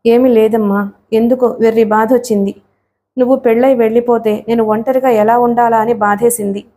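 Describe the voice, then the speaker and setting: A woman's voice: fairly high pitch, little pitch movement, brisk, dark tone, natural voice. A woman voicing an anxious middle-aged mother who speaks in a pleading, heartfelt way.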